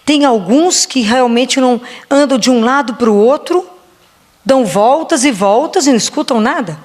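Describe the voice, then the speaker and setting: A woman giving a slow, reflective devotional sermon, often asking rhetorical questions. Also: sits high, animated, darkish tone. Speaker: preacher. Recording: long hall reverb.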